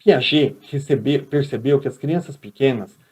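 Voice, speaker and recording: A man's voice: mid-range voice, unhurried, darkish tone, breathy edge. A man with a Brazilian Portuguese accent giving a recorded lecture as a teacher, talking conversationally and often checking in with his listeners.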